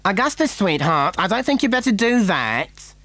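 A man voicing a hysterical, scolding mother in a children's storybook, with shrieking, drawn-out cries. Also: sits high, very animated, sharp tone, no room sound, voice pushed up, exaggerated voice. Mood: scolding alarm.

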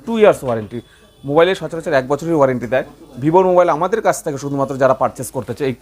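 A man with a West Bengal Bengali accent giving an emphatic, repetitive promotional sales pitch as a showroom promoter. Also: racing. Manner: emphatic, repetitive listing of offers.

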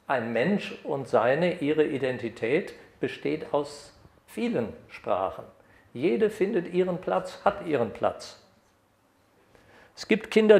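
A man's voice: a little high, creaky. Older man lecturing in an echoey hall. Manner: lively, animated when reading examples aloud. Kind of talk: academic lecture. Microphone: podium microphone.

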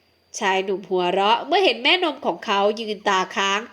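Woman narrator for a romance audiobook; smooth, expressive scripted reading. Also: mid-range voice, brisk.

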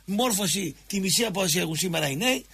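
A Greek man rants on a radio talk show, pressing hard and circling back to the same jabs at a co-host. His voice sits high and a little husky. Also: animated, bright, forceful tone. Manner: impassioned, repetitive, jabbing at a co-host.

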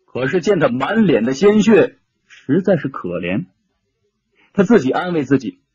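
A man's voice: a little high, sing-song, moderate pace, highs cut off, crowd noise. A man narrating an audiobook story dramatically, shifting his tone with the action.

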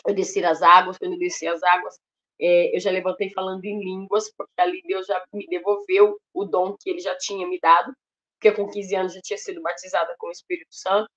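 A woman's voice: on the low side, level tone, fairly quick, fairly bright tone, highs cut off. A Brazilian woman telling an emotional personal testimony at a ministry, talking straight to her listeners. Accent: Brazilian Portuguese. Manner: emotional, addresses listeners directly as "gente".

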